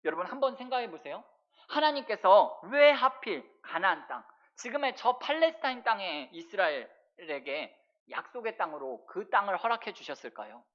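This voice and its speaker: A woman's voice: medium pitch, very animated, normal speed, highs cut off. A woman pastor preaching a sermon, often turning to the congregation with rhetorical questions.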